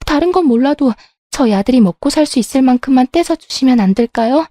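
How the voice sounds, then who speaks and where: A woman voicing a desperate jailed mistress who begs in a shrill, frantic voice. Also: animated, fast talker, dark tone, no echo, clean studio sound. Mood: pleading.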